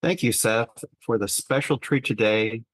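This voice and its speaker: A man with a mid-pitched voice co-hosts an interview show. The sound is dry and close, and he addresses guests and listeners conversationally. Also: unhurried, a bit bright, dry recording. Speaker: show co-host.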